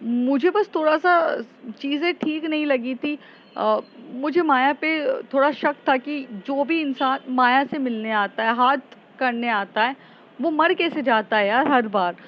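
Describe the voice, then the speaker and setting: A woman voicing Jessica, a shaken young woman who is a restless amateur sleuth, talking in rushed, exasperated bursts. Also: high-pitched, highs cut off, voice pushed up.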